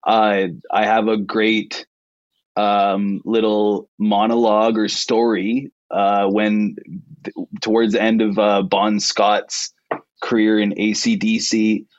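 Musician dude w a low deep voice, easygoing, kinda muffled dry sound. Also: male voice, flat delivery, takes it slowly, dry recording. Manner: easygoing, hesitant with many fillers. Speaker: musician guest. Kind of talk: casual interview chat.

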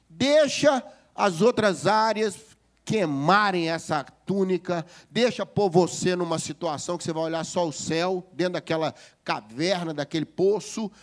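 A high-voiced man with a Brazilian Portuguese accent preaches a humorous sermon as a pastor. He is lively and joking, often asking the congregation whether they agree.

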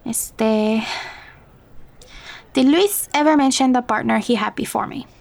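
Caring, higher-voiced motherly Latina confidante. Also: unhurried, creaky. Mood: gently worried. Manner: gentle, code-switches into Spanish. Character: caring, probing motherly Latina confidante, teasing but gentle. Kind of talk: naturalistic fiction podcast acting.

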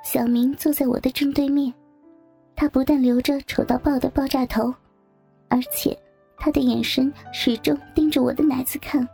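A woman narrating a first-person story softly, with music behind. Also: high-pitched, fairly even intonation, moderate pace, creaky, breathy edge.

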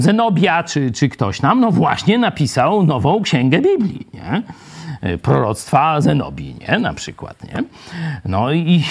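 A man leading a lively Bible study lecture, ironic and animated, asking the group questions and tagging his points with a quick "right?". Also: fairly high pitch. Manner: many fillers and "nie?" tags.

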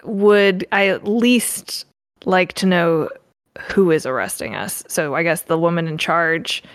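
A woman's voice: fairly low pitch, slow, no echo, clean studio sound. A woman playing a tabletop game, blunt and a little sarcastic. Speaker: player. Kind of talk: casual tabletop play.

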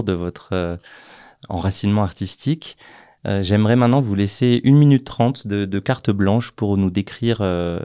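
A man's voice: sits low, gravelly, mellow, no echo, studio quality. A man hosting a radio interview, asking questions in a polite, conversational way.

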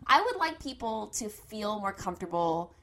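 A woman in her thirties with a medium-pitched voice co-hosts a podcast. Her talk is casual banter, playful and self-mocking. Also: sing-song, normal speed, sharp tone. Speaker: podcast co-host.

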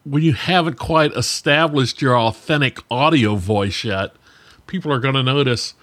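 A man co-hosting a podcast, talking in an animated, casual way with self-deprecating asides. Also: medium pitch, moderate pace. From Virginia, US. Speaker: podcast co-host. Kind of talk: casual conversational talk.

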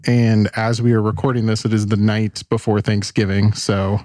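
A man's voice: on the low side, flat delivery, normal speed, warm tone, no echo, studio quality. Easygoing man co-hosting a podcast. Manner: easygoing, rambling with fillers. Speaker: podcast co-host. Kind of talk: casual chat.

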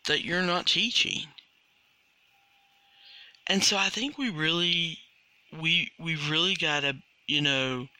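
Man, podcast host, casual coaching monologue, slow delivery, very bright sharp voice, dry close sound, rhetorical questions, repeats words. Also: mid-range voice, smooth, no echo. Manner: earnest, asks rhetorical questions.

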